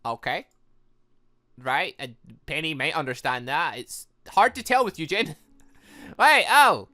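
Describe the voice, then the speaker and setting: Bright, animated gaming host, chatty and rambling. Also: mid-range voice, slow pace. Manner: chatty, rambling, thinks aloud, excitable. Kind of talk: casual let's play commentary.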